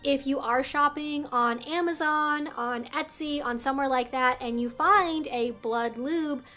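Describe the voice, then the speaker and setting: A woman's voice: high voice, unhurried, pushed and bright. A woman hosting an explainer vlog, speaking straight to viewers with careful, emphatic phrasing. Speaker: video host and educator.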